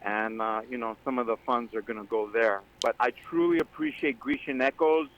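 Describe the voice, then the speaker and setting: A man from Greece calling in to a radio show, talking earnestly with many pauses. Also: mid-range voice, a bit bright. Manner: earnest, with many ums, speeds up when joking. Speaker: caller. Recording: dull lo-fi phone line.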